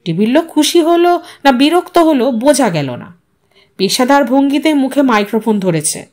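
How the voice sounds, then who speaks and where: High-pitched, expressive woman storyteller. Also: normal speed. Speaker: audio story narrator. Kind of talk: dramatic scripted literary narration.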